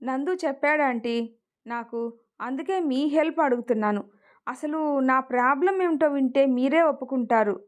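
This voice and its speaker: A woman's voice: high-pitched, normal speed, natural voice. A woman voicing a stubborn young heroine who lost her father, in an emotional story reading. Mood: sorrowful.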